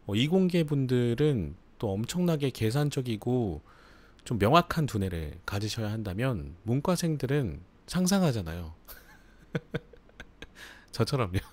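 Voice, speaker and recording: A book channel host runs a live book review, chatting casually with frequent laughs and filler-heavy asides. His mid-range voice is very animated and a little mellow, moving a little slowly.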